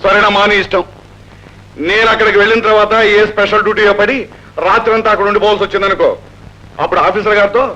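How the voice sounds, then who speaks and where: An actor playing a jovial, talkative middle-aged police constable who teases and laughs easily, in an old film scene. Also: male voice, sits high, level tone, quick pace, pauses often, pushed and bright. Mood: bantering. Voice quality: chatty, teasing, laughing easily. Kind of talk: 1970s Telugu film acting. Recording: dull old film soundtrack with music.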